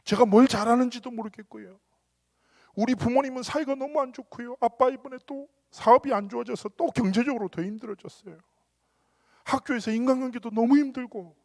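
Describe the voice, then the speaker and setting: A man's voice: extremely high pitch, vocal fry, darkish tone, no echo, clean studio sound, voice pushed up. A male pastor voicing a despairing teenage girl who pleads and lists her troubles one after another.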